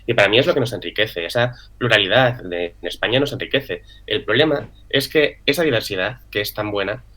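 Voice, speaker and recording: Low-voiced, bright young Canarian man. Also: fairly quick. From Canary Islands, Spain. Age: young adult. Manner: earnest, argumentative, many fillers and tag questions. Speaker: interview guest. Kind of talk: political interview answer.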